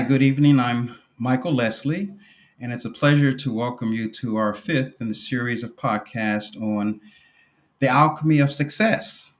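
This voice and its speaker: Man hosting a podcast, measured. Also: mid-range voice. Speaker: podcast host.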